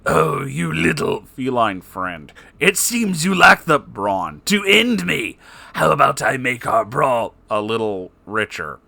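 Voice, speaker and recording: A man voicing a huge, greedy puppet monster villain in a story, bombastic and mocking, with drawn-out taunts. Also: medium pitch, big pitch swings, gravelly, bright, forceful tone, no room sound, full character voice. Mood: mocking menace.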